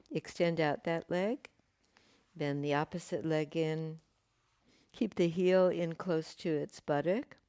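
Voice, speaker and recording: A woman teaching a yoga class, giving gentle, unhurried cues with pauses and fillers, her voice slightly croaky. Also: deep voice, dry recording, studio quality. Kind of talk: guided yoga class instruction.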